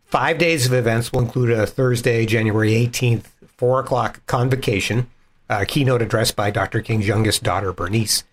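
A man of medium pitch hosts a podcast interview. He speaks in a measured way, setting up questions and filling in context for listeners. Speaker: podcast host. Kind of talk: conversational interview.

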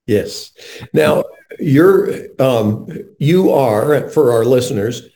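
Earnest older male radio host, mellow tone. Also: mid-range voice, drawn-out words. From North Carolina, USA. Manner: earnest, animated storyteller.

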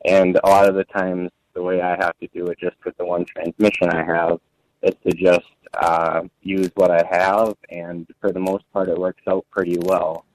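A laid-back man answering interview questions over a phone line, pausing often with fillers as he talks about racing. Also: low voice, flat delivery, a little hiss or hum. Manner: laid-back, many "uh" fillers and trailing sentences. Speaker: off-road buggy racer guest.

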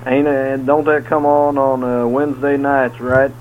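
A man's voice: medium pitch, monotone, unhurried. A man leaving a casual, rambling, informal message over the phone. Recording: tinny phone line, faint noise.

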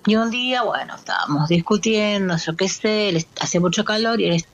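A woman's voice: mid-range voice, brisk, highs cut off. A woman with an Argentine accent, calling in to tell a story, hesitant and full of fillers. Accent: Argentine Spanish. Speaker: caller. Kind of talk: casual storytelling.

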